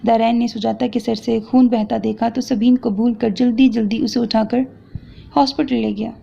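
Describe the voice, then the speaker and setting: A woman narrating a romance audio novel with steady, dramatic storytelling. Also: on the high side, creaky. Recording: dull lo-fi recording.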